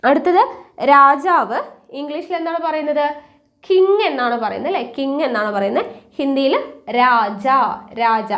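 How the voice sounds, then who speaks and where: High-voiced woman teaching a lesson. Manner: patient, repeats words, asks questions and answers them. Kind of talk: exam-prep language lesson.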